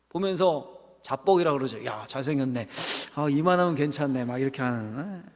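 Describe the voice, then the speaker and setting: A middle-aged male pastor giving a conversational sermon, asking the congregation questions. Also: fairly high pitch. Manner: conversational preaching with rhetorical questions and acted quotes. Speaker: senior pastor. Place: church sanctuary. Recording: long hall reverb.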